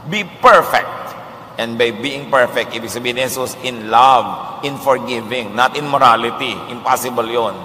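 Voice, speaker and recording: A male preacher with a Filipino accent, giving a sermon and mixing Filipino with English, reading scripture verses slowly and deliberately. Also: medium pitch, fairly even intonation, bright, forceful tone, echoey room, long reverb tail, a little hiss or hum.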